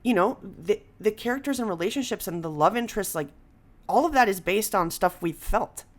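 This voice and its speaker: A woman's voice: medium pitch, expressive, brisk. Casual woman podcast host, chatty. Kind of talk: casual conversational podcast talk.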